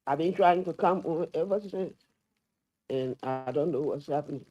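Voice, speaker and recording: A woman's voice: sits low, normal speed, warm tone, faint music behind. A woman on a phone line that keeps breaking up. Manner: confused, asking whether she can be heard. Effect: phone line breaking up, cutting in and out. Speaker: radio show panelist. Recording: muffled, distant call-in phone line.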